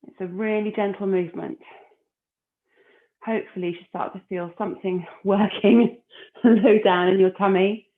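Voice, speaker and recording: A woman leading a core exercise class, giving calm, encouraging cues and breath counts. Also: mid-range voice, normal speed. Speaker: fitness instructor. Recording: phone-like narrow audio.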